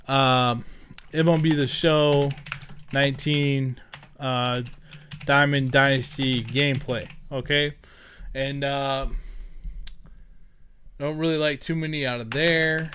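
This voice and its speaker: This gaming content creator has a fairly high, slightly bright voice with a clear, resonant tone. He gives a casual screen-recorded tutorial into a headset, rambling informally and thinking aloud while he types.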